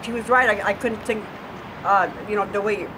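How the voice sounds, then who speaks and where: A woman's voice: mid-range voice, fairly quick. A woman in her seventies, chatting earnestly in a backyard, often repeating words as she thinks, filmed by a distant camera. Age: 70s. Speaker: neighbor answering viewer questions. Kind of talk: casual outdoor chat. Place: backyard lawn by a wall, outdoors. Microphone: far camera. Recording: outdoor noise, distant camera mic.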